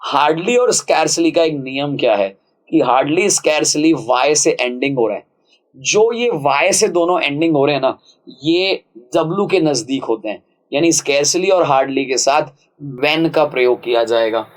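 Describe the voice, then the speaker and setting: Male tutor, exam-prep grammar lesson, chatty and informal, voice sits a bit high. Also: animated, low-quality recording. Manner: casual, chatty, calls viewers friends and brother; reads English sentences out slowly, then explains quickly. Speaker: English grammar teacher.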